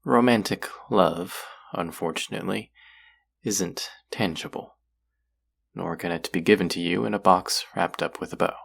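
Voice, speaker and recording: A man playing a courtly, possessive demon in a roleplay audio drama, speaking formally and deliberately in a husky, gravelly voice. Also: low voice, a bit bright, heavily acted. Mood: gentle, consoling. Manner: formal, slow, deliberate, coaxing. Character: possessive, courtly male demon who hungers for hearts. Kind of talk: scripted roleplay audio drama addressed to the listener.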